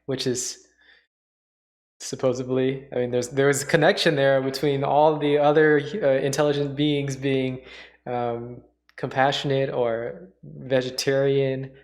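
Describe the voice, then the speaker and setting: A man hosting a livestream, giving casual off-the-cuff commentary in a halting, musing way. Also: medium pitch, level tone. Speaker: host, livestreamer reacting to radio dramas.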